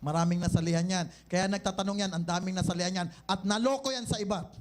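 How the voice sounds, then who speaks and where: A company owner with a Filipino accent leads a live sales seminar, his voice sitting high for a man. He keeps the room going with banter and teasing, firing rhetorical questions at the listeners. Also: fairly even intonation, fast talker.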